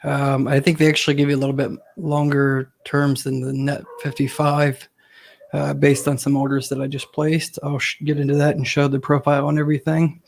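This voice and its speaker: A man hosting his own channel, talking casually to viewers with a hoarse voice from a cold, full of ums and uhs. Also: fairly high pitch, completely flat delivery, fairly quick. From Ohio, US. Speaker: host.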